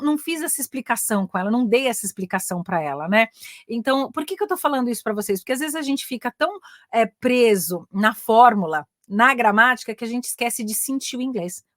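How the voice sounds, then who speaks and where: A woman's voice: fairly high pitch, a bit bright, no room sound, clean studio sound. Chatty Brazilian woman teaching English. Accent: Brazilian Portuguese. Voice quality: chatty, frequent "né?" tags. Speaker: English teacher and career mentor. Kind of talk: casual online lesson.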